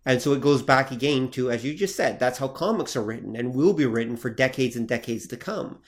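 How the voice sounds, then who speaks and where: A man co-hosting a casual podcast, talking at a middle pitch. He lays out his points in a measured, explanatory way. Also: lively intonation. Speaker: podcast co-host. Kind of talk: casual chat.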